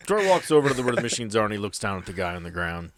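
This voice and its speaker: Low-voiced man running a tabletop game. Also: big pitch swings, fast, a crowd in the background. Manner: casual, profane. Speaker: game master. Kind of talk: narrating a tabletop role-playing game.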